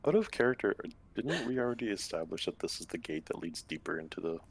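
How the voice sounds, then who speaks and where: A man with a low, creaky voice talks casually as a tabletop game player. Some noise and typing sit behind him. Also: very animated, fast talker.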